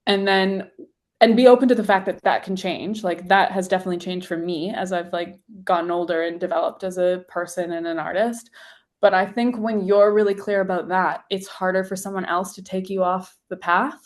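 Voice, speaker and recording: A young adult singer-songwriter chats casually as an interview guest, filling her speech with lots of "like." She speaks briskly in a medium-pitched, steady voice.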